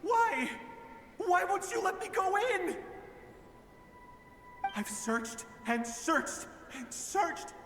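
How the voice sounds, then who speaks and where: Game role: desperate searching father, high and halting, echoing reverb with music underneath. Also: big pitch swings, exaggerated voice. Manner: halting, emotional, faltering. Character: anguished father searching for his lost daughter. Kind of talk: video game voice acting. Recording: roomy long reverb, music behind.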